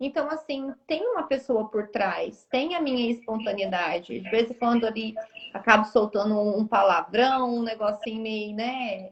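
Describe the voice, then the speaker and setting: A woman with a normal speaking voice talks at a fairly slow pace. Her pitch sits fairly high, with ordinary pitch variation. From Brazil, interior. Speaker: financial consultant. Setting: Instagram live.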